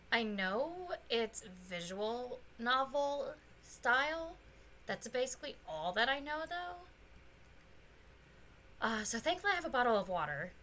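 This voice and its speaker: A young adult woman streaming a game, talking casually and rambling, her voice still slightly hoarse and not fully recovered, with bursts of excited squealing. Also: fairly high pitch, a little hiss or hum. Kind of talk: casual let's-play chat. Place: home streaming setup.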